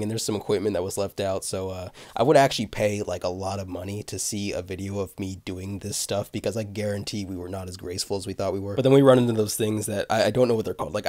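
A man's voice: on the low side, darkish tone, dry recording, clean studio sound. A young man with a cold and a slightly nasal voice, telling a joking, crude story over gameplay. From United States. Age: young adult. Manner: joking, crude, self-mocking asides. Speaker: gaming commentary host.

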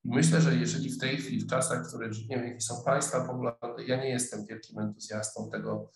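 A middle-aged man talks through a lecture from his office over a webcam. His voice sits at an ordinary pitch, and he hesitates often, filling pauses and restarting sentences. The room adds a noticeable echo. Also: little pitch movement, vocal fry. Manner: thoughtful, hesitant, many fillers and restarts. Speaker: sociologist lecturer. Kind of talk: online lecture. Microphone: webcam video call.

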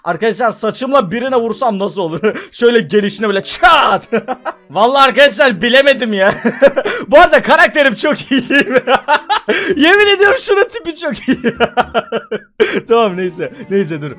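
High-voiced excitable man playing a game. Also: fairly quick. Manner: excitable, laughs often, talks straight to viewers. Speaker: gaming video host. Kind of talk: casual let's-play commentary.

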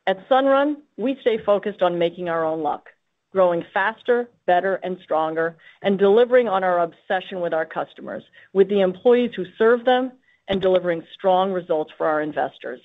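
A woman's voice: fairly low pitch, lively intonation, moderate pace. A woman speaking as a company executive on an earnings conference call. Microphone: conference call line. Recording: tinny, band-limited conference call line.

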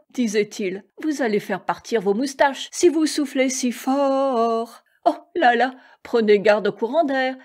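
A woman voicing a cheeky, high-pitched little gnat. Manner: taunting, high and excited. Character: cheeky tiny male gnat, boastful and mocking.

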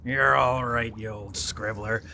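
A man's voice: mid-range voice, steady tone, unhurried, gravelly, pushed and bright, slight background noise, exaggerated voice. An actor playing a boastful, melodramatic young boatman in a fantasy audio drama, with theatrical, folksy bluster. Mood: hearty.

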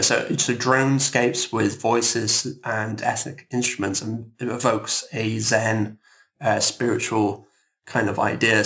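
A man speaking as an interviewed guest in a thoughtful discussion, halting and reflective, often repeating words. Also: lowish voice, fairly bright tone.

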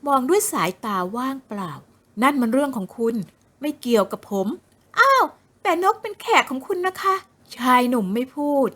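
A woman narrating a novel in a slow, measured storytelling manner. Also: fairly high pitch. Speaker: audiobook narrator.

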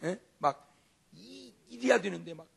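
A male pastor preaching a revival sermon at a live meeting. He is emphatic and humorous, swinging between loud exclamations and quiet asides. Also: high voice, lively intonation, unhurried, creaky.

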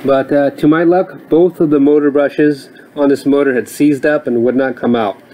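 A man's voice: mid-range voice, steady tone, moderate pace, warm tone, rough recording. A man explaining a motor repair over his footage in a plain, explanatory way, with occasional fillers. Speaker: repair channel host.

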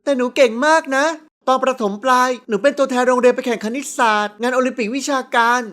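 A woman narrator acts out a brash young woman from a storybook. Her voice sits high, and she talks boastfully and cheekily, with a whiny edge of injured pride. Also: quick pace, fairly bright tone. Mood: brash, protesting.

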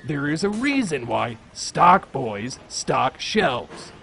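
A man acts a by-the-book grocery manager in a comedy radio sketch, exasperated and insistent. His voice sits a bit high, moves animatedly and creaks, with faint ambience behind. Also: sing-song, slow pace, a bit bright, slight background noise, exaggerated voice. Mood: earnest, patient. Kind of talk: comedy audio sketch acting.

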